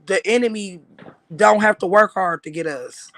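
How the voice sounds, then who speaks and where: High-voiced man ranting on a livestream. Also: normal speed, fairly bright tone, a little hiss or hum. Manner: emphatic, profane, repeats "like I said". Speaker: livestream host. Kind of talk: casual livestream talk.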